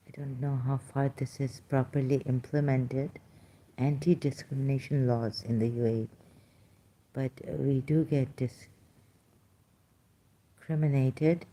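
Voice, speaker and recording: A speaker with a Pakistani English accent giving an unscripted personal testimony, hesitant and halting, with frequent fillers and restarts. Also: mid-range voice, fairly even intonation, warm tone, rough recording. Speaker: vlogger sharing personal experience.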